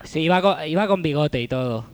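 A radio co-host chats away in a slightly higher man's voice. He swears freely in easy banter with the host. The talk stays loose and unscripted throughout. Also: lively intonation, brisk. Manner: chatty, laughing, swearing.

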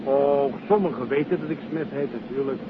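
A man's voice: mid-range voice, fairly quick, close to an everyday voice. Man playing tinny-sounding jovial ex-army captain, old radio play. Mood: breezy, confiding. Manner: genial, chuckling, colloquial. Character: jovial, chatty male ex-army captain, easygoing small trader. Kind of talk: 1950s Dutch radio drama acting. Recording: noisy, tinny 1950s radio recording.

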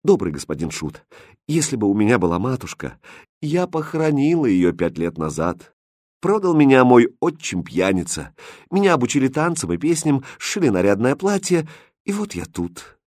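A man's voice: medium pitch, very animated, normal speed, a little mellow, dry recording, studio quality. A man doing a timid orphan girl. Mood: pleading. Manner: timid, pleading. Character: poor orphan girl posing as a doll.

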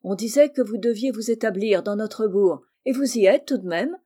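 Frank witty maid, brisk dry delivery, mellow tone; woman narrator voices her. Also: mid-range voice, slightly rough, natural voice. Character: frank, sharp-witted servant woman.

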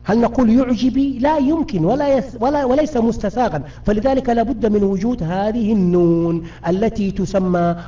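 High-voiced grammar teacher, muffled and distant. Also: male voice, dark tone. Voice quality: frequent self-restarts and repeated words. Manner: patient, keeps quizzing students. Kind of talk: live online grammar lesson.

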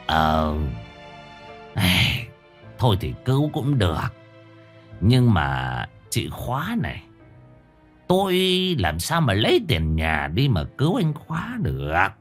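A man's voice: low-pitched, wildly swooping pitch, slow pace, pauses often, faint music behind, heavily acted. A man voicing a sly, bullying village chief who barks and sneers. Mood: sly wheedling. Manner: barking, sneering.

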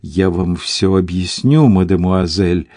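A man reading the lines of a blunt, dogged middle-aged police commissioner with a gruff manner. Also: low-pitched, slow, dark tone. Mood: placating.

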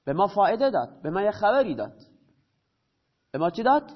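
High-voiced man teaching a grammar lesson. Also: very animated, husky. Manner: poses questions and answers them himself; repeats key terms slowly. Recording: dull lo-fi recording.

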